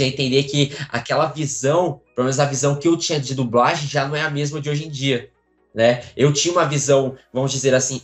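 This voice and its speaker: A Brazilian man in his twenties talking casually as an interview guest on a video call, telling things with frequent tag questions. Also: medium pitch. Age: 20s. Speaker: interview guest, aspiring voice actor. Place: small room at home, on a video call. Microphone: phone or device mic at some distance, video call.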